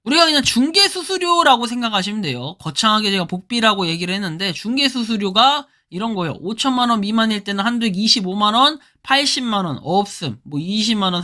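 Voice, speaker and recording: A woman with a hoarse throat hosting her own channel, giving casual spoken commentary as she explains what is on her screen and often starts sentences with a prompting word. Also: mid-range voice, pushed and bright. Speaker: crypto channel host.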